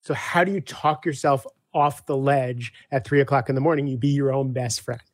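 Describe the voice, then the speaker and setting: A man speaking as a guest coach in a casual interview, animated, acting out back-and-forth dialogues with clients. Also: medium pitch, normal speed, no echo, studio quality.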